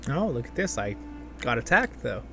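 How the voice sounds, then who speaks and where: A man hosting a gaming video with casual, excitable commentary, talking half to himself and half to his viewers. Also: medium pitch, normal speed, creaky, over music. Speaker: gaming channel host. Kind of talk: casual gameplay commentary, with expressive story reading.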